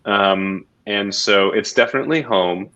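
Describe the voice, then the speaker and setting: A man's voice: fairly low pitch, a little slow, sharp tone. A man who grew up in the Philippines and Hong Kong, speaking hesitantly and reflectively on an investor panel. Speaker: venture capital firm leader. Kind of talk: panel discussion.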